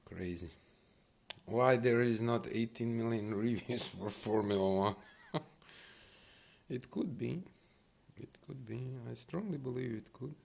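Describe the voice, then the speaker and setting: Man, casual game commentary, gravelly fry, drawn-out delivery. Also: mid-range voice, darkish tone. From Bosnia and Herzegovina. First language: Bosnian. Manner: laid-back, musing aloud to himself. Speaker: mobile game streamer.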